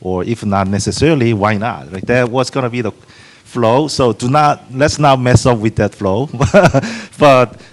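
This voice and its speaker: A man's voice: medium pitch, a little slow. A man moderating a panel in a casual, loose way, full of fillers and brief laughs, handing the floor to a guest. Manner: casual and apologetic, laughs easily, uses many fillers.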